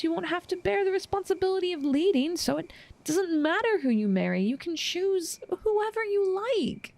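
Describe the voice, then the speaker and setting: A woman playing an obsessive, smug assassin smitten with her target, speaking in a teasing, formal, measured and menacing way in an intimate audio roleplay. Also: high voice, gravelly, a little mellow, heavily acted. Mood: coaxing, flirtatious.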